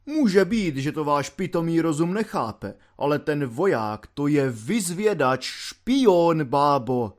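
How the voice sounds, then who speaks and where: A man voicing a pompous, stern gendarme sergeant who gives orders solemnly and loudly. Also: fairly high pitch, lively intonation, few pauses, natural voice. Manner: solemn, bossy, barking orders.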